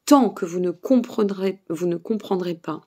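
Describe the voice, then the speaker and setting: A woman's voice: on the low side, moderate pace, a little mellow. Tired woman w/ burgundian accent, talks to camera giving guidance, lots of euhs, keeps asking ok?. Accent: Burgundian French. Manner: hesitant, many fillers, checks in with listeners. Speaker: spiritual guidance consultant. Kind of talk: casual talk to camera giving advice. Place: seated indoors.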